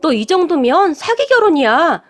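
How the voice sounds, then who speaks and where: Storybook figure: high-pitched sneering aunt, greedy and scheming, read by a woman narrator, faint music under. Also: sing-song, moderate pace. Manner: sneering, taunting.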